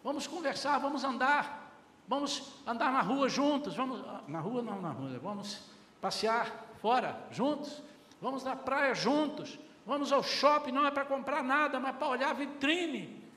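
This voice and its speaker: Middle-aged man, pastor's sermon, high bright voice, long church reverb. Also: measured pace. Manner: animated preaching, acting out family dialogues. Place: church hall. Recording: echoey hall with faint room noise.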